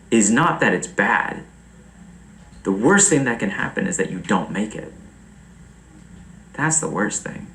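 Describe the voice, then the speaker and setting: Animated young man, casual stream chat. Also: medium pitch, creaky, echoey room, a little hiss or hum, poor audio. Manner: rambling, animated, laughs often.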